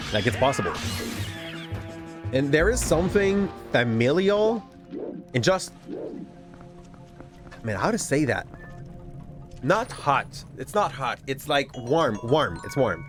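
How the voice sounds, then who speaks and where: Chatty Québécois man with lively pitch. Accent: Québécois French. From Quebec. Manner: chatty, rambling, often restarts words. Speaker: gaming streamer. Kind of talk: casual gameplay commentary. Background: game music.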